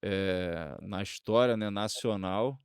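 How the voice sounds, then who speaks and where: A man's voice: on the low side, takes it slowly, smooth, dry recording, studio quality. A man with a Brazilian accent talking casually as an interview guest, explaining things informally and a little hesitantly. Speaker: guest radio researcher.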